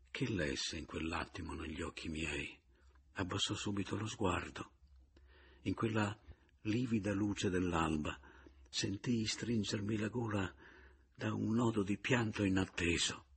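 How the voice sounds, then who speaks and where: A man reading a literary novel aloud as an audiobook narrator, in a measured, reflective first-person voice. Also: low voice, husky.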